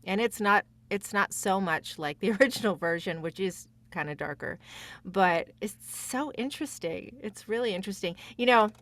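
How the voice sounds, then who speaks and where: A woman guest voice actress telling stories casually, in a chatty, giggly, rambling and animated way. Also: mid-range voice, moderate pace.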